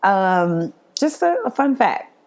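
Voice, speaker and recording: A woman's voice: medium pitch, sing-song, slow pace, a little mellow. A woman with an African American accent hosting a podcast in a casual, playful, slangy way. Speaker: podcast host. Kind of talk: casual chat.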